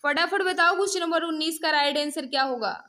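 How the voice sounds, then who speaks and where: High-pitched woman teaching a quiz class. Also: quick pace, sharp tone. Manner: repetitive prompting, addresses learners directly as friends. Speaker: teacher hosting an online exam-prep class. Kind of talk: interactive mock-test lesson, quizzing viewers.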